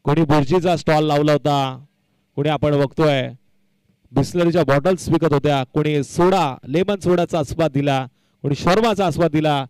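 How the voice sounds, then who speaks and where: A man's voice: on the high side, moderate pace, darkish tone, clean tone, dry recording, low-quality recording. A man giving live commentary and announcements at a local cricket tournament, emphatic and fond of repeating phrases for effect.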